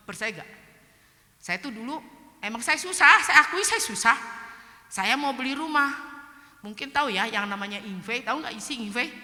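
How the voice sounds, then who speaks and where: A middle-aged woman pastor with a slightly hoarse voice, giving an emotional sermon full of personal testimony and acted-out quotes. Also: medium pitch, sharp tone. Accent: Indonesian. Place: church hall. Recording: echoey church hall with long reverb.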